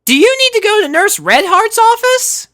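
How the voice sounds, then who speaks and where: A man's voice: very high-pitched, big pitch swings, moderate pace, bright, forceful tone, voice pushed up, exaggerated voice. A man voicing a carefree, innocent former siren schoolgirl in an airy, chirpy way for a story reading. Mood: concerned.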